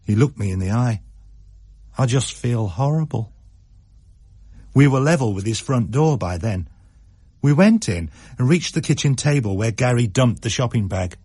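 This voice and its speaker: A man narrating a radio story in an expressive, varied way. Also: medium pitch, breathy edge, dry recording, clean studio sound. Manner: expressive, shifts pace for effect.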